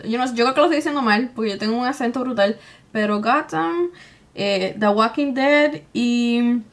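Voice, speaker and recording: A young woman with a Puerto Rican Spanish accent chats casually to camera, informal and colloquial, dropping in English words. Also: fairly high pitch. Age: young adult. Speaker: beauty vlogger. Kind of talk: casual chat to camera, answering tag questions. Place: small room at home, indoors.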